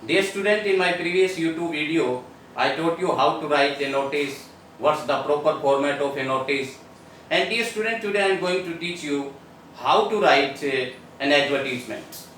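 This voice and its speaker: A man's voice: fairly high pitch, moderate pace, fairly bright tone. A man teaching a video lesson, earnest and repetitive, often calling to his students with hesitant fillers. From India. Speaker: English teacher. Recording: very echoey room, distant mic, faint noise.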